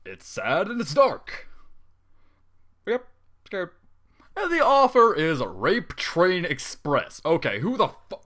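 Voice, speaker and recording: A man's voice: high voice, wildly swooping pitch, slow, pauses often, fairly bright tone. A man reading a fan story aloud and breaking off into exasperated, swearing comic reactions. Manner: exasperated, swearing outbursts between narration. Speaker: fanfiction reader.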